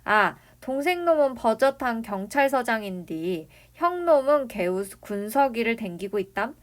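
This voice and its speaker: A woman's voice: on the high side, very animated, a little slow. A woman voicing a domineering old rich grandfather with a Jeolla accent who nags and bullies his grandsons. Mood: nagging. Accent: Jeolla dialect. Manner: nagging, bullying, scolding. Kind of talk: dramatic reading of a novel.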